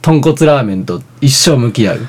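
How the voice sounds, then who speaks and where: A man, from Oita, co-hosting a casual podcast chat and telling an animated story, laughing along as he goes. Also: mid-range voice, fairly quick. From Oita, Japan. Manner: animated storyteller, laughs through his own anecdotes. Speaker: band member, podcast co-host.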